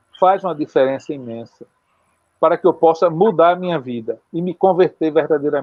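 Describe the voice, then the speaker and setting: A plain, everyday voice from a man, fairly high in pitch and fairly quick, with ordinary pitch variation and big swings in loudness. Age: 60s. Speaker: religious study group teacher. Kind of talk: lecture.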